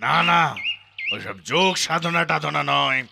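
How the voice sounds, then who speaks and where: A man voicing a wily cartoon bandit who poses as a pompous holy sadhu, speaking gravelly, pious, drawn-out lines. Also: a little high, very noisy. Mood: pious, soothing. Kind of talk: children's cartoon voice acting.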